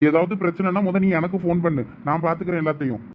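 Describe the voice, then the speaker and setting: A man playing a tour group organiser in a village comedy skit. He talks briskly and bossily to the group, then gently reassures a woman. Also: fairly high pitch, highs cut off, slight background noise, close to an everyday voice. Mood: reassuring.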